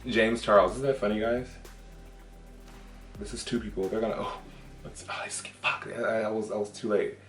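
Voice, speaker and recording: A man's voice: fairly low pitch, fairly even intonation, moderate pace, long pauses. A man talks as a sassy, chatty drag queen in a casual vlog. The room echoes around the voice and music plays behind. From Oakland, California. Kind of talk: casual chat with strangers on video chat. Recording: roomy echo with music behind.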